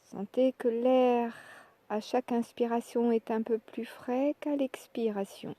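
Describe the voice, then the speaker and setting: A woman leading a guided yoga relaxation, speaking calmly and in measured short phrases with pauses. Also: fairly high pitch, dry recording. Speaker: yoga nidra relaxation instructor. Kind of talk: guided meditation, soft instructional narration.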